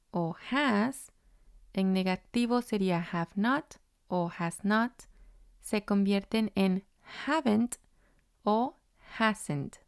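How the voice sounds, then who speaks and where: A woman teacher explains grammar at an unhurried pace, patiently repeating each example. Her voice is smooth and clear, recorded dry and close with no room sound. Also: mid-range voice, dry recording. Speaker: English teacher. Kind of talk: instructional explanation.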